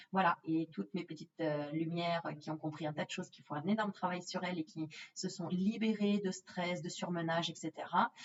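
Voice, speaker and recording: Big swings in loudness mark a woman's fairly quick speech, which is fairly low in pitch with fairly even intonation. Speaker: medium and personal development guide. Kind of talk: tarot reading video. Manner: fast; hesitant, many fillers.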